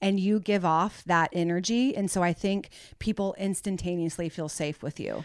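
A woman has an unremarkable speaking voice at a medium pitch, with ordinary pitch variation and a moderate pace. The recording is very clean, with a silent background. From US South, Atlanta. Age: 40s. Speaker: podcast guest sharing mental health story. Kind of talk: casual interview.

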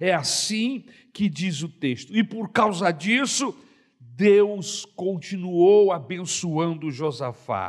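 At a very slow pace, a man speaks high for his voice, with lively intonation. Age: 60s. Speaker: preacher. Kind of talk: sermon.

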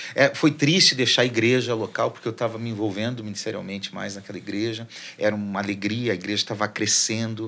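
A man at medium pitch with a bright, sharp tone, ordinary pitch variation and a very fast pace. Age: 40s. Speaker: pastor and theologian. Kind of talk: testimony.

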